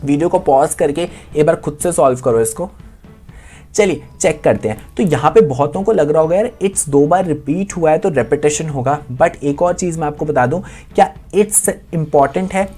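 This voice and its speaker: A man's voice: fairly high pitch, expressive, moderate pace, mellow. A man runs an online exam-prep lesson, quizzing his students and going over each point more than once. He keeps stopping to check in with them, and faint music plays underneath. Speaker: online tutor.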